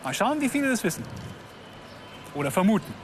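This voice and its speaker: A man's bright, high voice that swings up and down as he hosts a street report. He chats and jokes with passers-by, laughing easily, and a faint hiss sits under him from the city outside. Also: brisk. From Germany. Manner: lively, chatty, laughs easily. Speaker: host. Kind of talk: street reportage and casual interviews. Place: outdoors in a city centre.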